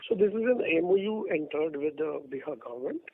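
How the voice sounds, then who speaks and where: A man's voice: a little high, animated, a little fast. A man with an Indian accent, a company executive explaining plans on an earnings call over a noisy phone line. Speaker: company executive answering questions.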